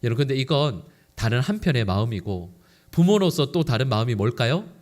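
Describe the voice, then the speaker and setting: Male pastor, Sunday sermon, lively swinging delivery, constant rhetorical questions to the congregation. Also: medium pitch, brisk. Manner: animated, acts out quoted lines. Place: church sanctuary.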